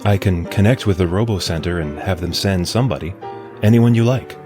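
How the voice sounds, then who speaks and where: An actor playing a gentle, devoted male companion robot in a radio drama, speaking softly and soothingly. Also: deep voice, brisk, lightly acted. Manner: soft, soothing and tender. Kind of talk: golden-age style radio play acting. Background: music score.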